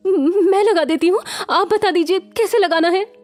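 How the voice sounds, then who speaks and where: A woman voicing a frightened, tearful young woman who speaks in a high, pleading voice. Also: moderate pace, soft background music. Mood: panicked. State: crying.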